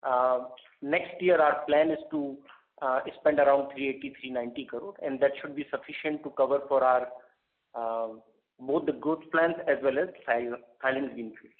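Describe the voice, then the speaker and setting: Halting man on a narrow phone line. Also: mid-range voice. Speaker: finance executive. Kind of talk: unscripted earnings call answers.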